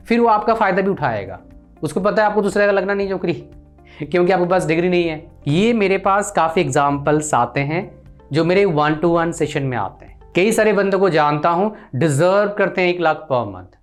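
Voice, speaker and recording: A young Indian man, a career counsellor, speaking earnestly and directly to viewers in a lecturing advice talk. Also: fairly high pitch.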